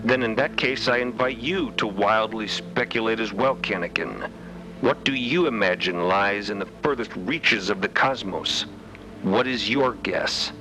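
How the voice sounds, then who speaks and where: A man playing a stately elder of a cosmic order in a podcast drama. The voice is fairly low, formal and guarded, measured in delivery, with music clearly behind it. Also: close to an everyday voice, poor audio. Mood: composed, curious. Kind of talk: fiction podcast character acting.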